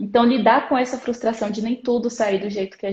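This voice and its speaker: A woman's fairly high, fairly evenly intoned voice, a plain, everyday voice. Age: 20s. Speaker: course student. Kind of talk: mentoring conversation on a live stream.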